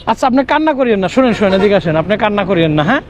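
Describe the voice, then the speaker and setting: A man's voice: high voice, animated, racing, slight background noise. A young man from Bangladesh in a street vlog, coaxing and pleading, repeating himself. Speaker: vlogger. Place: outdoors on a city street.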